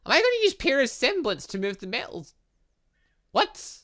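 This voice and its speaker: A man giving let's play commentary on a game, excitable and reactive, reading dialogue aloud as he goes. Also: very high voice, normal speed. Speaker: gaming channel host.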